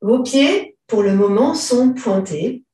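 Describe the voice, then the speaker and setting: A woman teaching a yoga and stretching class, giving slow, calm instructions and often clearing her throat. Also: on the high side. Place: large room during an online class. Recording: very echoey room, far from the mic.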